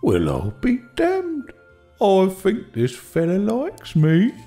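Man acting a folksy, wildly animated older fellow. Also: high-pitched, slow, faint music behind, full character voice. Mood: jovial. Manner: rambling, stammering, colloquial. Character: folksy, excitable, good-natured older working man. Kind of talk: audio drama acting.

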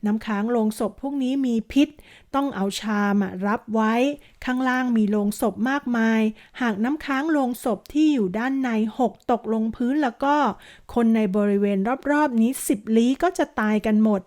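A woman's voice: on the high side, normal speed, darkish tone. Chatty woman narrating a drama recap. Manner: polite narration, slipping into chatty asides. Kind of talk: storytelling recap of a TV series.

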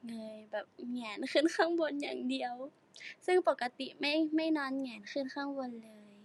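A woman's voice: high voice, moderate pace. A teenage girl idol chatting casually on a live stream, giggling and reading fan comments while sore and sitting stiffly.

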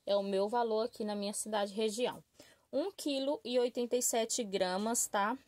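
A woman's voice: on the high side, normal speed, no room sound. A Brazilian woman hosting a crochet channel, talking casually to viewers in a chatty, friendly way with constant "tá?" and "né?" tags. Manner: chatty, warm-hearted, addresses viewers as "gente", frequent "tá?" and "né?" tags. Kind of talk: casual tutorial talk to viewers. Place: small room at a work table. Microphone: camera filming her hands and table from above.

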